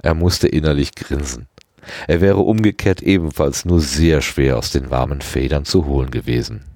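A man reading a story aloud in an expressive manner, giving each character a voice. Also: rumbling low, moderate pace, dry recording, studio quality. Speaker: audiobook reader.

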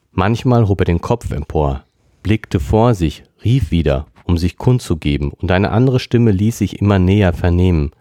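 A man reading a classic novel aloud as a podcast narrator, in a steady storytelling manner. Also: sits low, no room sound, clean studio sound. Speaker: podcast reader. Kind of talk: audiobook reading.

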